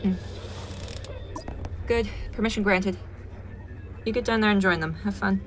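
A woman playing a dedicated, caring science director in a science fiction audio drama, with brisk, kindly authority. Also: medium pitch, fairly even intonation, slight background noise, natural voice. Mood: kindly, commanding.

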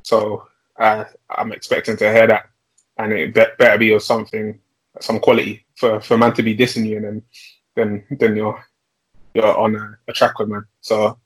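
A man's voice: lowish voice, completely flat delivery, moderate pace, breathy edge, no room sound, low-quality recording. A young man with a London roadman accent, chatting bluntly in street slang as a podcast co-host and often repeating his phrases. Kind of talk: casual music podcast chat.

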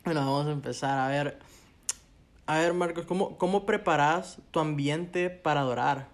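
A man's voice: on the high side, normal speed. A man interviewing a guest in a casual chat, with frequent laughter and short reactions.

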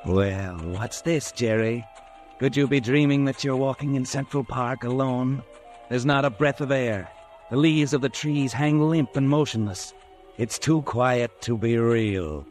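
Man acting sinister mocking narrator, slow taunting delivery, medium pitch, music underneath, old radio thriller. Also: darkish tone, close to an everyday voice. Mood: eerie, mocking. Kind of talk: 1940s radio mystery narration, second person.

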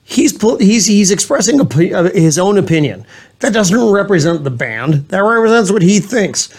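A man's voice: sits high, sing-song, normal speed, darkish tone, slightly rough. A man with a New England accent, co-hosting a casual chat and cracking sarcastic jokes. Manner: sarcastic, jokey, puts on voices. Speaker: co-host. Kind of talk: casual chat over drinks.

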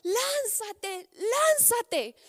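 A woman's voice: extremely high pitch, very animated, very slow, long reverb tail, pitched above the performer's own voice, exaggerated voice. Woman voicing coaxing rescue firefighters. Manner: coaxing, insistent. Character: firefighters coaxing a child to jump.

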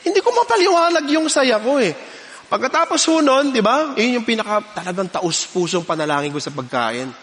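A man, preaching a sermon and telling a personal story in an animated way, often laughing between lines. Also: extremely high pitch, a little fast, big-room sound.

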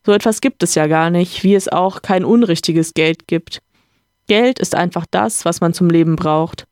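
A podcaster reading a novel aloud, voicing a calm, reflective gentleman who lectures his friend in a slightly raised voice. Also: medium pitch, moderate pace, dry recording, studio quality, lightly acted. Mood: earnest lecturing.

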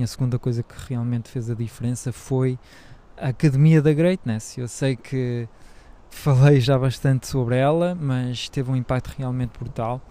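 A man's voice: mid-range voice, warm tone. A man hosting his own podcast in a casual, rambling monologue, hesitant and full of fillers, speaking Portuguese with a French accent. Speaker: podcast host.

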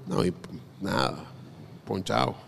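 A man's voice: deep voice, animated, takes it slowly, creaky, a bit bright, a little hiss or hum. A middle-aged Venezuelan man, a podcast guest, chatting casually and telling anecdotes with jokes and frequent restarts. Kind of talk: casual interview chat.

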